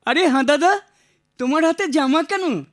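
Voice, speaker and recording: A woman's voice: sits high, expressive, moderate pace. A woman voicing a small, earnest little boy in a cartoon, put-upon and plaintive, polite but stubborn. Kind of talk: Bengali cartoon character dialogue.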